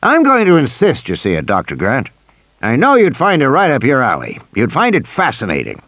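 A man's voice: medium pitch, huge pitch swings, fairly quick, a bit bright, no room sound, full character voice. A man voicing a cheery, insistent old male tycoon who coaxes and presses on the phone. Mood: coaxing. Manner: insistent, persuasive, coaxing.

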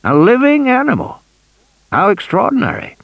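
A man's voice: very high voice, wildly swooping pitch, normal speed, gravelly, no room sound, voice pushed up, exaggerated voice. A man voicing a cheery, insistent old male tycoon who coaxes and presses on the phone. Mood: wary. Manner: insistent, persuasive, coaxing.

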